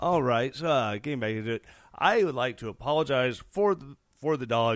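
Here a man has an unremarkable speaking voice with lively intonation. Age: 30s. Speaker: political podcast host, infantry veteran. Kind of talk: casual political commentary. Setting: live online stream.

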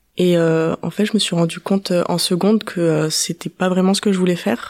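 This is a normal speaking voice at a moderate pace with fairly even intonation. The sound is dry and close, with no echo. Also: woman. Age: 20s. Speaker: hospitality apprentice. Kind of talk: testimony.

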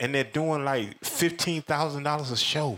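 Over noticeable background noise, a man with a Miami accent talks at a moderate pace in a fairly high pitch. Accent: Miami urban American English. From Miami, Florida. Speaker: music producer. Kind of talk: casual interview. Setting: live venue with audience.

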